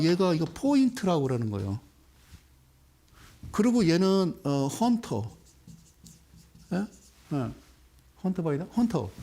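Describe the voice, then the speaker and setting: A man giving an animated stock investment lecture, teasing the audience with rhetorical questions and repeating key words for emphasis. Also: high voice.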